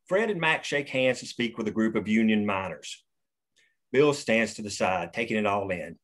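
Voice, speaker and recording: A man reading the stage directions aloud at a script table read in a steady, plain way. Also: fairly low pitch, moderate pace.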